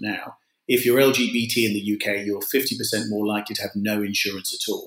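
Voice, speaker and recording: A man's medium-pitched, bright, sharp voice in a British accent, monotone and flat in intonation. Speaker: insurance company chair.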